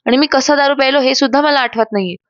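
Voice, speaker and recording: A woman's voice: high voice, fast, no room sound, voice pushed up, close to an everyday voice. A woman voicing a remorseful young husband who pleads and apologizes. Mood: pleading. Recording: dull, dry voice-over.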